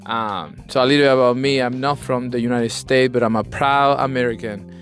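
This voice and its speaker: A man with a Chilean Spanish accent, native in Spanish, talks as a podcast host. He is earnest and instructive in a conversational style, at a middling pitch, with plucked guitar music behind his voice. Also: fairly even intonation, brisk, fairly bright tone. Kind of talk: conversational leadership talk.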